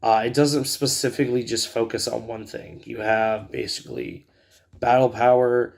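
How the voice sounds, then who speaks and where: A man with a scratchy, raspy voice giving a casual, rambling tutorial as a video host, hesitant and full of fillers. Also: mid-range voice, normal speed. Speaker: host of a card game video channel.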